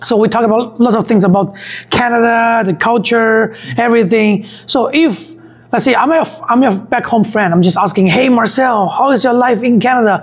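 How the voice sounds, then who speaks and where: A man with a Chinese accent hosts a casual interview. His voice is noticeably husky, and his first language is Chinese. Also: very high-pitched, normal speed. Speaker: interviewer, host.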